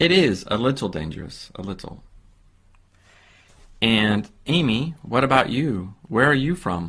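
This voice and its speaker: A man with an American accent, medium in pitch, with very wide pitch swings, a fairly slow pace, and long, frequent pauses. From US West Coast. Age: 40s. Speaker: English teacher. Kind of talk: casual chat.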